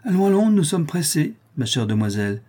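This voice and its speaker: A man's voice: medium pitch, animated, a little fast, mellow, breathy edge. A man reading an audiobook aloud, voicing a curt, impatient middle-aged housekeeper.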